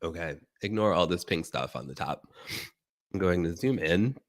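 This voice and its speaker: A man hosting a casual live stream tutorial, sounding hoarse from a cold and chatting directly to his viewers. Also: low voice, animated, normal speed.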